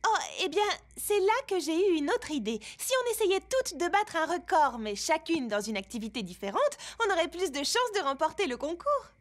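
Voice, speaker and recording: A woman voicing a kind, enterprising young girl in a French-dubbed children's cartoon, earnest and expressive. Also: very high-pitched, normal speed, few pauses. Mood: thoughtful.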